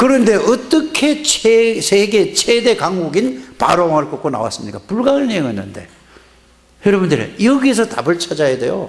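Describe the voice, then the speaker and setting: With audible room echo around him, a man talks at a fairly slow pace, his high pitch swinging very widely. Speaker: pastor. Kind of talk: sermon. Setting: church. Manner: consciously restrained volume.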